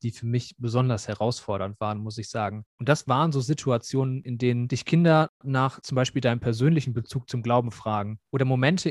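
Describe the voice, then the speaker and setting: A man's voice: medium pitch, darkish tone, no room sound, clean studio sound. A young man in his twenties, a student teacher, talking reflectively and earnestly as a podcast guest. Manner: reflective, earnest, many fillers. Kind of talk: podcast interview.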